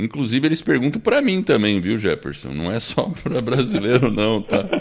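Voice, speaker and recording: A man with a São Paulo accent speaks at medium pitch and a moderate pace, his pitch swinging very widely over noticeable background noise. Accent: São Paulo Brazilian Portuguese. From São Paulo, Brazil. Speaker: podcast host. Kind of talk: casual podcast discussion.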